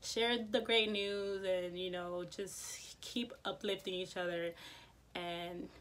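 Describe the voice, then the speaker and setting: A woman's voice: fairly low pitch, fairly even intonation, slow pace, a little hiss or hum. A woman vlogger who stutters, repeating sounds and words, talking casually to camera with many fillers. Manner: many fillers, soft-spoken.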